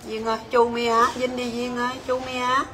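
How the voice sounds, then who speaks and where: Calling out prices and teasing her staff, a chatty, bossy woman pitches jewelry on a livestream from her shop. Her voice sits on the high side with a level tone and a fairly quick pace, and a crowd can be heard in the background.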